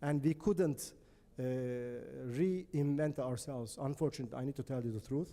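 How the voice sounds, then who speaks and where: A man's fairly high, dark, mellow voice at a moderate pace with ordinary pitch variation. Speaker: telecom executive, panelist. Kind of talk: panel discussion. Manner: hesitant, many fillers.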